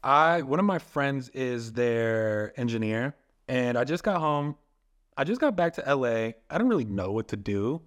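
The young man's mid-range voice is animated and moves at a moderate pace as he guests on a podcast. A filmmaker and photographer, he rambles through long, casual stories, leaning heavily on "like" as filler.

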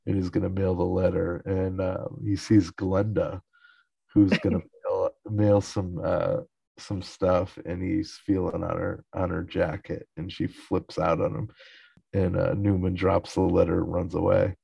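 A man's voice: sits low, flat delivery, a little slow, gravelly, warm tone, slightly rough, dry recording, rough recording. A man casually recapping a sitcom episode in a loose, chuckling way with lots of fillers.

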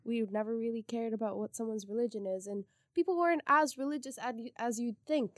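Young woman, relaxed podcast guest. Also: a little high, fast, no room sound, clean studio sound. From Palestine. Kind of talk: casual podcast chat.

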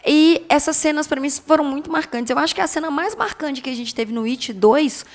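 A woman's voice: sits high, a little fast. Chatty woman reviewing a film. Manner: animated, self-correcting, laughs often. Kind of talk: casual movie review chat.

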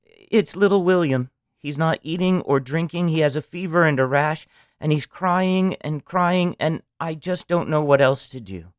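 A man's voice: on the high side, measured pace, clean tone, no room sound, clean studio sound, voice pushed up, natural voice. A man voicing a worried young mother who stammers and frets over a sick child. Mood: tearful. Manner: stammering, tearful.

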